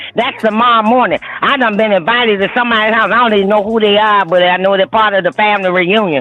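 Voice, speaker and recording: Over noticeable background noise, a woman speaks at a very fast pace in a fairly high pitch, with very even loudness and hardly any pauses. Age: 60s. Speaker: panel guest on a live talk stream. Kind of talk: casual chat. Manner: animated.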